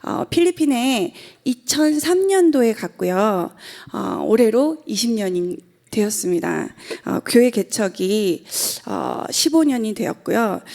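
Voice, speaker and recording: Earnest woman in her forties, slightly gravelly. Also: fairly high pitch, darkish tone. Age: 40s. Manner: earnest, hesitant with many fillers, nervous. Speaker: pastor's wife giving testimony. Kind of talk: church testimony and sermon. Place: church sanctuary at the pulpit.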